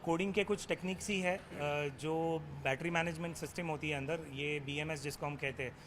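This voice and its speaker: A man giving a technical explanation as an expert guest, halting often and slipping English phrases into his sentences. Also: fairly high pitch, steady tone, fairly bright tone. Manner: halting, frequent hesitations, mixes in English phrases. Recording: background noise behind voice.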